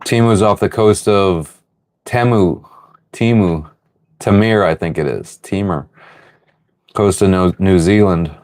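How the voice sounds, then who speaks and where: A man hosting a casual livestream from his sailboat, reading viewer comments aloud and rambling through relaxed answers. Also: low-pitched, slow pace, pauses often. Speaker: livestream host answering chat. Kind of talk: casual live chat. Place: on board a sailboat.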